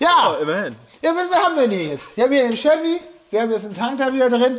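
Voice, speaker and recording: A man talks at a very fast pace. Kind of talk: casual vlog chat. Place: workshop. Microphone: phone near.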